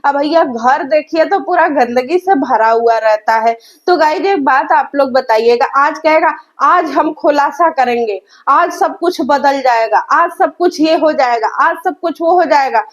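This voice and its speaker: A woman's voice: high voice, measured pace, few pauses. A woman roasting others in a reaction vlog, mocking and scolding, with a sore throat. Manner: mocking, scolding, addresses viewers as guys. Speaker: reaction vlogger.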